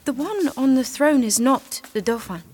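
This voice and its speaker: An actress playing a humble, devout young peasant maiden who speaks earnestly and softly in a radio drama. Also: female voice, high voice, animated, moderate pace, slight background noise. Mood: timid. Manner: earnest, gentle, soft-spoken.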